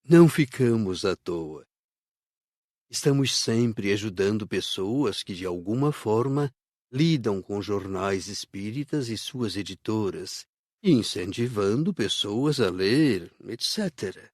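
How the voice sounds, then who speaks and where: This is a man acting a kindly spirit worker in an audiobook. The voice sits fairly low and is measured and instructive. The sound is dry, with no room around it. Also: lively intonation, darkish tone, no room sound. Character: adult male spirit worker guiding visitors, kindly and instructive. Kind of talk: scripted audiobook dialogue.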